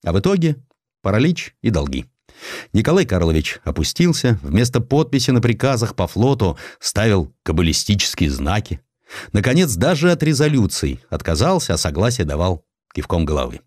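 A man narrating a historical audiobook dramatically and theatrically, with deliberate pauses. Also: on the low side, sing-song, a little mellow, no room sound, studio quality.

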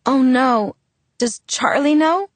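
A woman reading the part of a shaken teenage girl, hoarse from near-drowning and asking anxious questions. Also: high-pitched, takes it slowly, no room sound, voice pushed up. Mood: distressed.

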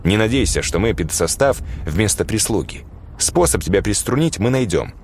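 A man's voice: on the low side, animated, moderate pace, slight background noise. A man voicing a blunt, foul-mouthed middle-aged male teacher who lectures and swears. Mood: gruff. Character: gruff crude male schoolteacher, middle-aged.

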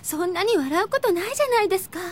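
A very high-voiced shy schoolgirl. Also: lively intonation, fast, a little hiss or hum. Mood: upset, pouting. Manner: hesitant, softly formal, apologetic. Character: shy, polite, timid teenage schoolgirl. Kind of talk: Japanese audio drama acting.

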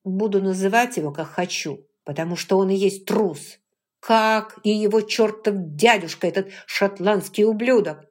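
A woman voicing an angry young man who speaks hoarsely and snarls, in an audiobook reading. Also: deep voice, a little slow, darkish tone.

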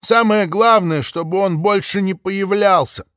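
A man voicing Mothe, a nervous female sheep who bleats her words emphatically, in a much higher voice. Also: unhurried, fairly bright tone, clean tone, no room sound, studio quality. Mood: bleating.

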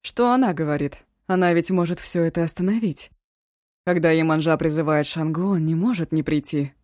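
A woman voicing a proud, volatile young woman who swings between harsh words and shrill, sobbing outbursts. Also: a little fast, darkish tone, no echo, studio quality, natural voice. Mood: heartbroken.

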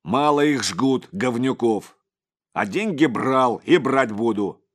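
A man voicing a gruff male policeman in his forties who growls and barks short orders. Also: low-pitched, expressive, a little slow, darkish tone. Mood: angry.

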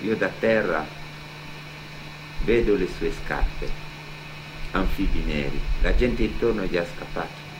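Middle aged guy from senegal, low voice, telling his story radio theatre style in short phrases, big humming noise on it. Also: a little slow, long pauses. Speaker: actor and cultural mediator. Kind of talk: first-person testimony told on stage in radio theatre. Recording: loud mains hum and noise.

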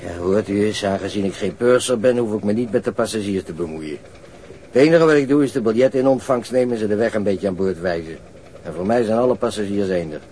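A mellow, dark-toned male ticket collector, played by a radio actor, indifferent and grumbling. He rambles offhandedly in a radio drama, with noisy outdoor ambience and birds around him. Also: lowish voice, fast talker, close to an everyday voice. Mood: dismissive. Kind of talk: Dutch radio drama acting.

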